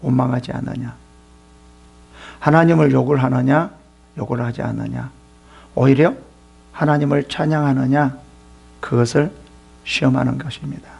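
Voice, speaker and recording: A man's voice: mid-range voice, steady tone, normal speed, vocal fry, long pauses, darkish tone, breathy edge. A middle-aged male pastor who preaches a sermon emphatically and uses rhetorical questions.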